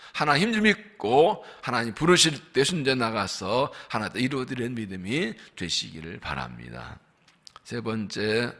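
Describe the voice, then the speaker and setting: A man preaching a dawn revival sermon as senior pastor, swinging between fervent outbursts and hushed asides and acting out the dialogue of biblical figures. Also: medium pitch, vocal fry.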